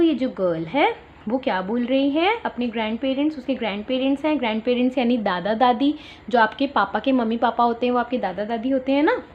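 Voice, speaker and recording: A young Indian woman with a high voice gives an online lesson to small children. She explains each English phrase patiently in Hindi, with a coaxing tone. The recording is dull and lo-fi, with faint noise underneath. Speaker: primary school teacher.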